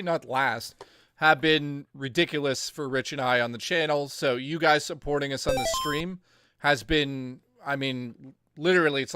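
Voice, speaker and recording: A man's voice: mid-range voice, pushed and bright, dry recording, clean studio sound. A man co-hosting a casual livestream, reading viewer donations aloud with crude jokes while losing his voice. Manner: crude, joking, reads messages aloud.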